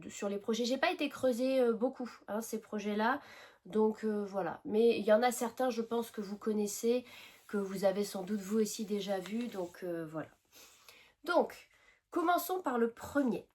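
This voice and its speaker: A woman with a French accent, chatting casually to camera about her hobby, hesitant with many fillers and restarts, her nose tickled by pollen. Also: fairly high pitch. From France. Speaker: cross-stitch vlogger.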